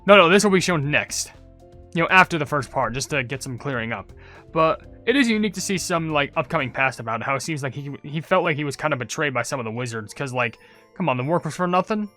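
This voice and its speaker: High-voiced young man commenting casually. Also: lively intonation, fast, sharp tone, soft background music. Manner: rambling, thinking aloud. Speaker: gaming video creator.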